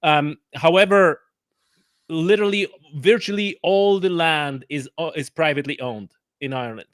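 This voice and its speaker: A man from Poland with a Polish accent, explaining things haltingly as a guest in a casual interview. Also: fairly high pitch, a bit bright, no room sound, clean studio sound. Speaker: podcast guest.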